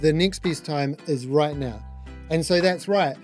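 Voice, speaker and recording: Relaxed Kiwi builder, music under. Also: male voice, on the high side, a little slow. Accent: New Zealand. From New Zealand. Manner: relaxed, jokey, talks to camera. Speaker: builder and vlog host. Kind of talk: casual vlog chat.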